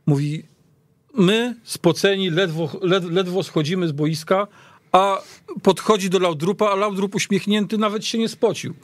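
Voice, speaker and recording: Higher-pitched man, halting football chat. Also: no echo. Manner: halting, repeats words while searching. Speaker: football pundit on a radio podcast. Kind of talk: casual sports discussion. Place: radio studio.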